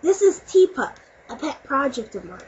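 A woman's voice: high-pitched, big pitch swings, normal speed, a little mellow. A woman voicing a young boy fox, an eager, clever and plucky inventor, in an amateur cartoon demo reading. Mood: confident. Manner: earnest, plucky, exclamatory. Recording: muffled home recording with faint noise.

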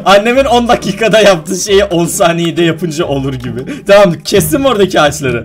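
A young man coaching his mother through a video game, laughing often and talking excitedly to his viewers. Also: sits high, brisk. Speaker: gaming YouTuber. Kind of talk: casual gaming vlog, teaching his mother.

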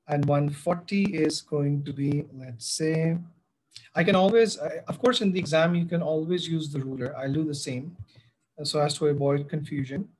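This screen-recorded voice-over comes from a biology teacher with a South Asian accent and a fairly high voice. He teaches pupils directly, mixing English with Hindi-Urdu, and the audio is poor.

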